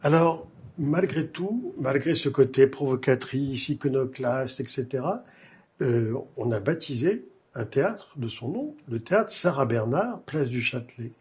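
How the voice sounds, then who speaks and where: A man hosting a literary interview, asking measured, digressive questions with frequent hesitations. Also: medium pitch, expressive, a little mellow, breathy edge. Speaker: literary talk show host. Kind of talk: cultured interview conversation.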